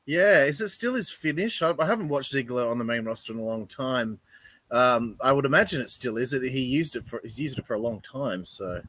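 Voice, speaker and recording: A man's voice: mid-range voice, a little fast, fairly bright tone, no room sound. A man co-hosting a podcast in casual chat, laid-back and understated in his opinions. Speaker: podcast co-host.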